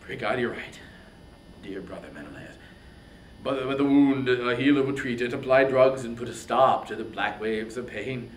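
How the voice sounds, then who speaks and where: A man's voice: normal speed, lightly acted. A man voicing an anguished, wrathful warrior king in a declamatory, impassioned reading of epic poetry. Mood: worried. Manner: impassioned, declamatory, swinging from shouts to breathy whispers. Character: anguished, wrathful warrior king grieving over wounded brother. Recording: roomy, echoing, faint background rumble.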